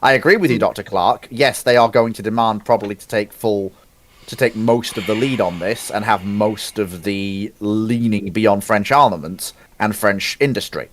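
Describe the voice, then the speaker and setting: A man's voice: fairly low pitch, moderate pace, slight background noise. A man in a live debate on military procurement, earnestly building his argument step by step.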